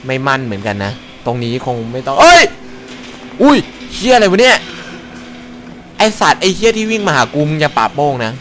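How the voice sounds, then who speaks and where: A young man giving crude, jokey commentary on a horror game, yelling and cursing when something startles him. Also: on the high side, big pitch swings, brisk, long pauses. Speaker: gaming YouTuber. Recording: faint background noise.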